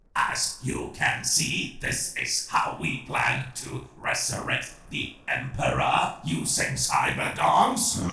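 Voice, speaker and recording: In a put-on character voice, a man talks at a very slow pace with a slight echo around him. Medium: machinima. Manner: aloof, cold.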